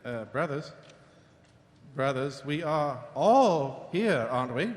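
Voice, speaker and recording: A man's voice: mid-range voice, animated, slow pace. A man playing a timid, placating secret cult brother in live audio theatre, nervous and coaxing. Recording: echoey noisy live hall.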